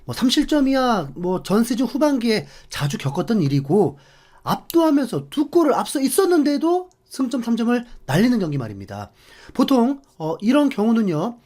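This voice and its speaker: A man hosting a football channel, narrating a scripted match commentary with many fillers. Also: sits high. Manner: animated, filler-heavy explanatory talk. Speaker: sports channel host.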